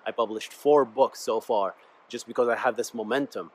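A man's voice: mid-range voice, normal speed. Earnest rambling man, native Arabic speaker. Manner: rambling, earnest, often addresses listeners as "guys". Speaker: YouTuber and podcast host. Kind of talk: casual motivational monologue.

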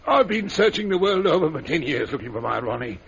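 A gravelly, desperate lost-son father. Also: a little high, very animated, a little fast, fairly bright tone, heavily acted. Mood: pleading. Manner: pleading, hesitant, full of "uh"s. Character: anxious working-class father searching for his lost son. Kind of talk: 1930s radio drama acting. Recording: dull old radio recording.

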